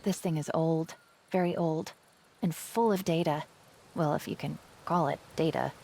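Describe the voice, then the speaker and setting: A woman's voice: deep voice, normal speed, creaky, darkish tone, slight background noise. A woman playing a confident, quippy young AI companion who briefs a soldier in a video game. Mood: intrigued. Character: young female AI companion, bright, wry, confident.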